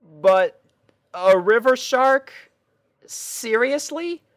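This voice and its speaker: A man voicing a serene, regal female pony ruler in a storybook reading, measured and quietly exasperated. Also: very high voice, animated, no room sound, clean studio sound, voice pushed up, exaggerated voice. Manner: measured, composed, slightly incredulous.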